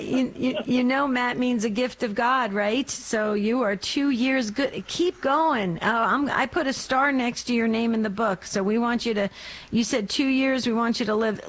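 A woman co-hosting a radio talk show, talking to a caller in a bubbly, caring way and asking quick questions. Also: on the high side, poor audio.

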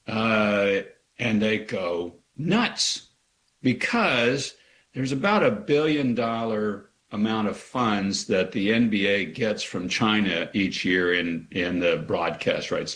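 Low-voiced man, earnest and emphatic. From Kansas, USA. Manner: earnest, grows emphatic with sharp pitch rises. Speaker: author guest. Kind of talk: interview answers.

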